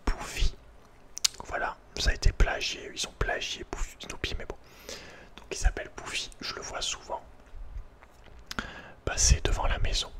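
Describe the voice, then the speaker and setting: Whispering man, halting ASMR storyteller. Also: a bit bright. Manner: hesitant, halting, informal. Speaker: ASMR creator.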